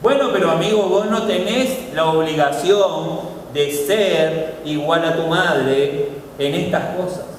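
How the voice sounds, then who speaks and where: A man preaching a sermon, animated and acting out other people's voices. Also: on the high side, slow pace, slight background noise. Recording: echoey hall, voice from far off.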